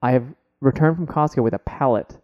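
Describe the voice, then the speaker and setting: A man co-hosting a casual podcast, playful and animated, often jumping up in pitch when surprised. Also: brisk, dull audio. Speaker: podcast co-host. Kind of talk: casual chat.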